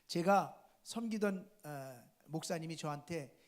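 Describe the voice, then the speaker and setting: High-pitched male pastor preaching. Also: unhurried. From South Korea. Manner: preaching with repeated appeals to the congregation. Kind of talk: sermon.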